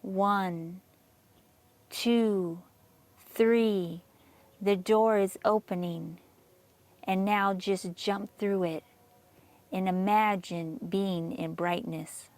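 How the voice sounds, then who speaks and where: A woman leads a guided meditation from a script. Her voice sits at a medium pitch. She speaks slowly and evenly in a soothing way, leaving generous pauses between phrases. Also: steady tone, a little mellow. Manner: slow, measured, soothing delivery with long pauses.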